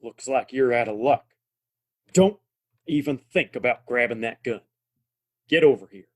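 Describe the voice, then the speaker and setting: A man acting a gruff, stubborn saloon owner in a Western audio play, with a husky voice. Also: mid-range voice, a little slow, close to an everyday voice. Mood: stern.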